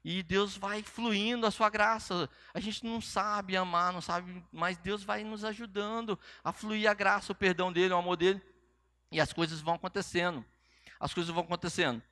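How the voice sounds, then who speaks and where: A middle-aged Brazilian man preaching, telling a personal story with lively quoted dialogue. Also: sits high, normal speed, no room sound. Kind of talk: sermon testimony.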